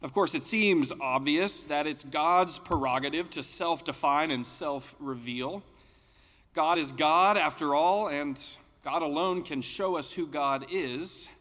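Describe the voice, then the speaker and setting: A male pastor reading scripture and preaching a sermon in a measured, deliberate way, recorded in a church sanctuary. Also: a little high, a bit bright, long reverb tail.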